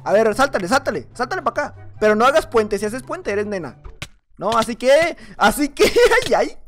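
A woman giving excitable, laughing Minecraft gameplay commentary, her voice slightly hoarse from just waking up. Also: a little high, moderate pace, faint music behind. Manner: excitable, laughing, teasing other players. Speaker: gaming YouTuber.

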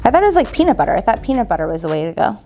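A woman's voice: medium pitch, very animated, very fast, mellow, faint music behind. A woman in her thirties co-hosting casual reaction commentary in a salon, chatty and giggly. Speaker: co-host. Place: salon with product shelves, indoors.

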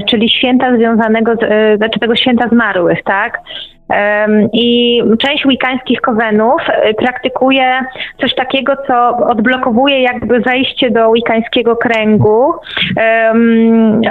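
A woman explaining things as a guest in a radio interview, conversational, pausing and checking with tag questions. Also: fairly high pitch. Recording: narrow, tinny phone-like line.

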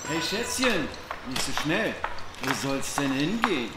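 Leering, drawling street thug. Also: male voice, on the high side, very animated, measured pace, loud music behind the voice. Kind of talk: audio drama acting. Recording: echoey with noisy background ambience.

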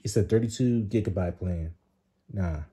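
A man hosting a casual unboxing vlog, talking haltingly with many repeated words and fillers. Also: low-pitched, noisy background. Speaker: vlogger.

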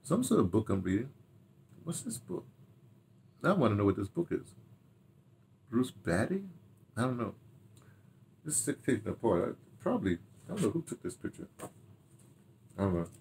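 A man's voice: fairly low pitch, very animated, moderate pace, gravelly, long pauses, a little mellow, a little hiss or hum. An older man reminiscing casually to camera, rambling and repeating phrases as he talks half to himself. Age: older, 60s or 70s. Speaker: radio drama director and producer reminiscing. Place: furnished room at home, indoors.

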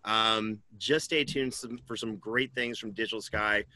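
Bright, forceful male podcast host. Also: on the low side, fairly even intonation, unhurried, no room sound. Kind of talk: interviewing and presenting to an audience. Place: indoors on a video call.

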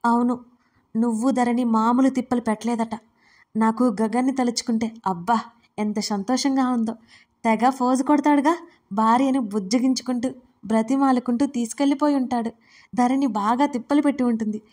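A woman's voice: fairly high pitch, fairly even intonation, normal speed, a little mellow, natural voice. A woman voicing a cheeky young woman who gossips smugly and teases her sister. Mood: gleeful. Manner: chatty, smug and teasing.

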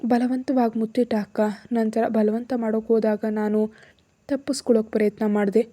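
Scared young student read by a woman narrator, soft pleading tone, mellow voice. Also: fairly high pitch, flat delivery, moderate pace, close to an everyday voice. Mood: tearful.

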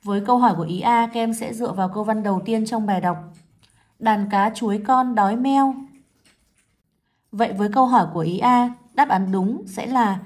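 Woman teacher, mid-range voice, clear, patient read-aloud delivery for children. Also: medium pitch, a little mellow. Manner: slow, measured reading of poem and story, careful phrasing. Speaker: primary school teacher.

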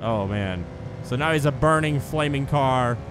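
Excitable young man narrating gameplay. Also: mid-range voice, a little slow, noisy background. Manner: excitable, laughing, bursts of shouting at the action. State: has the hiccups. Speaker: gaming YouTuber. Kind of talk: casual gameplay commentary.

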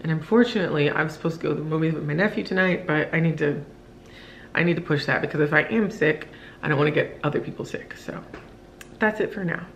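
A woman in her thirties talking casually to the camera in her kitchen, sounding drained and low on energy, rambling with fillers. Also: fast, a little hiss or hum. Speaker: vlogger. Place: home kitchen, indoors.

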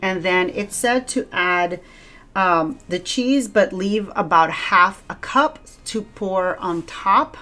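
A woman's voice: lowish voice, fairly bright tone. Chatty woman with a Cuban accent. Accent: Cuban Spanish. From Cuba. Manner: chatty, self-deprecating, laughs often. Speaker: cooking vlogger. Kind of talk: casual cooking voice-over. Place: home kitchen.

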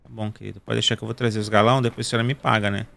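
A Brazilian man in his thirties with a Carioca accent from Rio hosts a gaming video, talking to viewers in a joking, slangy way during casual commentary. His voice is lowish and gravelly, a bit bright, racing along in a flat delivery.

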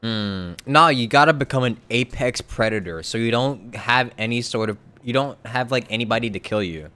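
A man doing casual live-stream commentary over a game, talking in a rambling, halting, conversational way. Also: medium pitch, sharp tone, clean tone.

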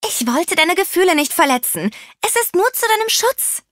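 A woman voicing a young girl inventor, eager and excitable, with high bursting exclamations in a children's audiobook. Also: slow, no echo, studio quality, exaggerated voice. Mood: reassuring.

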